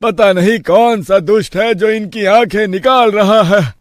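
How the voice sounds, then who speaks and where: A man voicing a worried male villager in an animated story, urgent and agitated. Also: high-pitched, a little slow, no echo, clean studio sound.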